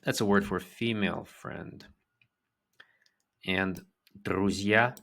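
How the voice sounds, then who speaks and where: A man teaching a vocabulary lesson, repeating each word twice in a slow, patient way. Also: low voice, fairly even intonation, vocal fry, fairly bright tone. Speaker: language teacher.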